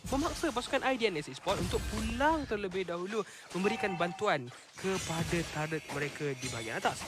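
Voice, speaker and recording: A man with a Malaysian accent giving live play-by-play esports commentary as an excitable game announcer. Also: sits high, brisk, music in the background.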